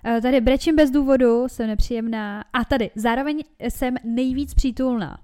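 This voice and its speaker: A woman's voice: fairly high pitch, mellow, smooth. A young woman co-hosting a casual podcast chat, frank and swearing freely as she reads listener messages aloud. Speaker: podcast co-host.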